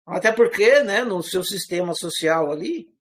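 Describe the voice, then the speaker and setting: High-voiced man with a mineiro-caipira accent. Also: animated, normal speed. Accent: Brazilian Portuguese, part Minas Gerais, part rural caipira. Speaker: teacher. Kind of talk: informal spoken lecture.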